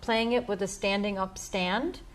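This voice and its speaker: An American woman speaks as a music teacher in a casual interview. Her pitch sits in the middle, with some ambient noise behind her voice. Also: steady tone, a little slow. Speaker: folk musician, music educator, guest. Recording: clear background ambient noise.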